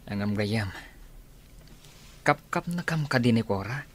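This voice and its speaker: A man's voice: lowish voice, expressive, unhurried. A man with an Ilocano accent, playing a doubtful young man who questions a friend in a radio drama. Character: wary young man doubting someone's change.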